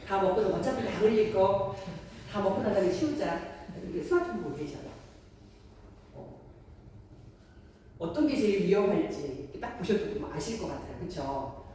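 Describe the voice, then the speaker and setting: Lively woman lecturing in an echoey hall. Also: recorded from a distance, a little hiss or hum. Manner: animated, acts out parent and child lines in a higher voice. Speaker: daycare parent-education lecturer. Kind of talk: parenting lecture with acted parent quotes.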